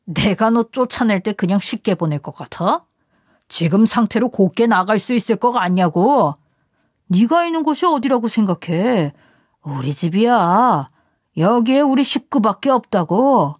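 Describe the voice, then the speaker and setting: A woman's voice: mid-range voice, darkish tone, husky, no echo. A woman voicing a manipulative, threatening husband in an audio story, coaxing and menacing by turns, recorded dry and close.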